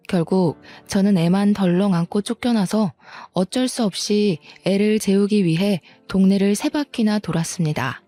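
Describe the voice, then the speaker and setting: Young woman telling a story, mellow tone. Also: mid-range voice, no echo. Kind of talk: first-person story narration.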